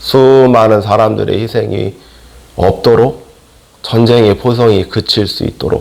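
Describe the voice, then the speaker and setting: A man with a medium-pitched voice and ordinary pitch variation speaks very slowly. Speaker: pastor. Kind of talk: sermon. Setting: church service broadcast.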